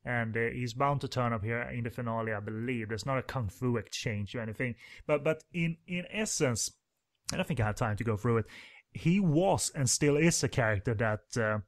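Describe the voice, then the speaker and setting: Male podcast host, casual movie commentary, rambling, fillers, mid-pitched voice. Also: moderate pace. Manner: rambling, hesitant, many fillers and restarts.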